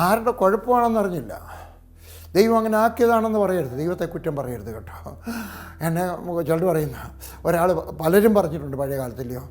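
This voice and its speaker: A middle-aged man preaches with force, his voice sitting a little higher than most men's. He keeps breaking into hallelujahs and fires question after question at the congregation. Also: darkish tone. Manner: emphatic, calls out hallelujah, fires rhetorical questions at the audience. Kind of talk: Pentecostal sermon.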